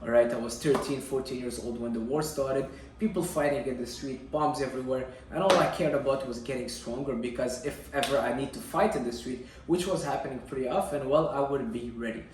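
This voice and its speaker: A man's voice: mid-range voice, fairly quick, hardly any pauses. A young man from Syria telling his own life story in an emphatic, conversational vlog style. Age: young adult. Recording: echoey room, distant mic, faint noise.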